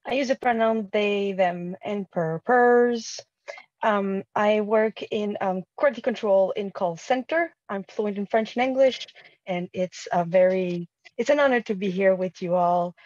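A woman in her thirties, a guest on a video-call talk show, slightly croaky from a cold, speaking earnestly with frequent ums. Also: mid-range voice, a little slow, darkish tone, dry recording. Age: 30s. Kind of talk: casual interview chat. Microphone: webcam mic on video call. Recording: dull lo-fi call audio.

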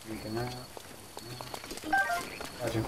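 A man's voice: on the low side, monotone, takes it slowly. Man muttering game commentary, distant noisy mic. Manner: rambling, muttering to himself. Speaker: gaming host. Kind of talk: casual let's-play commentary. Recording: distant mic, clear background noise.

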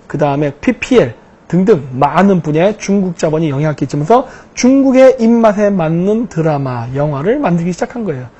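Man, commentator, husky voice, mellow tone, rhetorical questions, lecture over slides. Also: high voice. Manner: poses rhetorical questions and answers them himself; emphatic, drawn-out stresses on key words. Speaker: political commentator.

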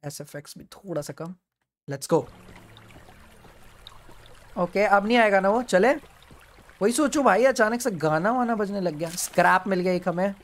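A man streaming a horror game live, yelping, pleading and hushing as a monster comes near. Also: high voice, animated, unhurried, pauses often, slight background noise. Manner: jumpy, yelps and pleads with the monster, then hushes to a whisper. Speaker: gaming streamer. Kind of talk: live gameplay commentary.

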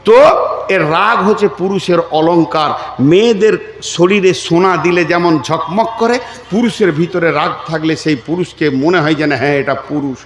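A man's voice: a little high, normal speed. A man from West Bengal preaching a dramatic sermon, acting out angry quotes and calling on the crowd to answer aloud. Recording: echoey hall with faint background noise.

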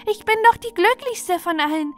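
A woman's voice: extremely high pitch, lively intonation, moderate pace, faint music behind, pitched above the performer's own voice. A woman voicing an eager, sincere young girl in a storybook reading. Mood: overjoyed. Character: young girl Mariechen, earnest, overjoyed, pleading.

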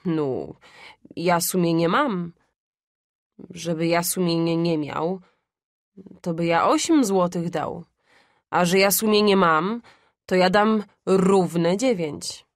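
A woman's voice: on the low side, slow, long pauses, no room sound, studio quality. A woman voicing a phlegmatic male junk trader haggling stubbornly over a price. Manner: stubborn, calm bargaining.

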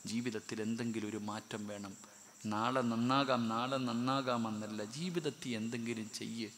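A man preaching a fiery sermon, swinging between loud outbursts and hushed tones. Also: mid-range voice, fairly even intonation, normal speed, a little hiss or hum. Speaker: Islamic preacher.

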